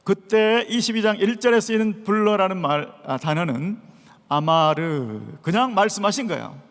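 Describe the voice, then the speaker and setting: A man preaching a Sunday sermon as pastor, posing rhetorical questions and acting out shouted calls. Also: sits high, lively intonation, moderate pace. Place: church sanctuary. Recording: long reverb of a large church hall.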